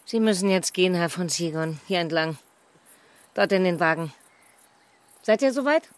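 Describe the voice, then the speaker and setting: A woman's voice: fairly low pitch, expressive, normal speed, close to an everyday voice. A woman playing a firm, dry-witted police chief inspector in a radio drama, speaking in an official manner. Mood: dry, curt. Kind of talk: German radio drama acting.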